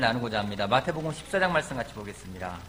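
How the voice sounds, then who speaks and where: A man's pitch swings very widely, with audible room echo around him. Noticeable background noise runs underneath. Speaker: pastor. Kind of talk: sermon. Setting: church.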